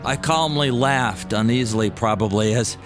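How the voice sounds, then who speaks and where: A male storyteller narrates a scripted first-person tale. His pitch is average and his phrasing deliberate and dramatic. Music plays clearly behind the voice.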